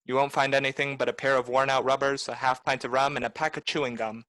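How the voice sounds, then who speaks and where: A man's voice: medium pitch, flat delivery, fast talker, a bit bright, no room sound, natural voice. A man acting a cynical, wisecracking tough private detective in a film noir radio play, with clipped, nonchalant talk. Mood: dry, nonchalant. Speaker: actor, lead and narrator.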